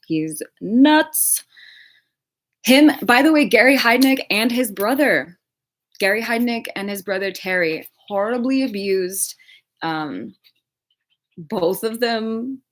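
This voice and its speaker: A woman's voice: a little high, expressive, slow pace, long pauses. A woman chatting casually on a livestream as a true crime creator, rambling with lots of filler words and casual swearing.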